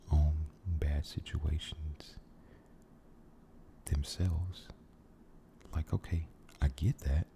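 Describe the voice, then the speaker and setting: A man giving a soft-spoken, mostly whispered ASMR ramble, halting and gentle, repeating his phrases, close to the microphone. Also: extremely low pitch, slight background noise. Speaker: ASMR video creator.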